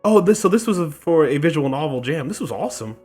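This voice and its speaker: A man's voice: a little high, lively intonation, quick pace, a little mellow, husky, faint music behind. A man hosting a gaming video, giving casual, slangy playthrough commentary and often repeating himself.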